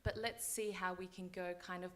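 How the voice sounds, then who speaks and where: A woman therapist on a forum panel explaining her work in a clear, counselling way on a handheld mic. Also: fairly low pitch, steady tone, moderate pace, fairly bright tone. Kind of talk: panel discussion. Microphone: handheld microphone.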